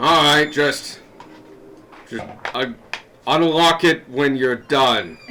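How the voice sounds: In a gruff, put-on character voice, a man speaks at a very slow pace with long, frequent pauses. His pitch is fairly high, and his intonation is fairly even.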